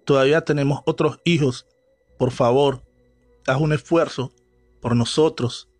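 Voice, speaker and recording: A man's voice: medium pitch, fairly even intonation, measured pace, a little mellow, no echo, faint music behind, lightly acted. A man voicing a worried middle-aged mother who speaks urgently in a told horror story. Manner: urgent, pleading.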